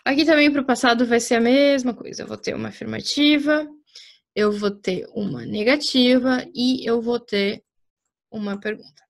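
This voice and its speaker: A woman, an English teacher who explains grammar in a chatty way, checks in often with her listeners and slows down to spell out example sentences. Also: a little high, gravelly.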